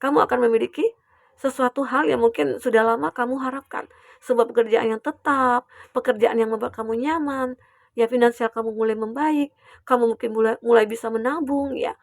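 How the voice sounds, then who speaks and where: A young woman giving a gentle, reassuring collective tarot reading, with frequent fillers and tag questions. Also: fairly high pitch, steady tone, brisk, gravelly, dry recording, studio quality. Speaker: tarot reader.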